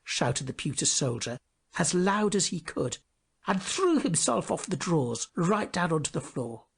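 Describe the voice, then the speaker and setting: Expressive male storyteller, lively swooping pitch. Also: unhurried, creaky, slightly rough. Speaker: storybook reader. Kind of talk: scripted storybook narration.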